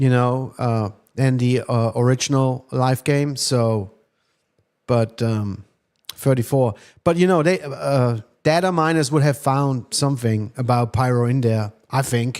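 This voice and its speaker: A man with a German accent speaks fairly slowly at medium pitch, with ordinary pitch variation and very even loudness. The recording is very clean, with a silent background. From East Germany. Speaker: gaming streamer. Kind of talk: casual chat. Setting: live stream. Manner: halting.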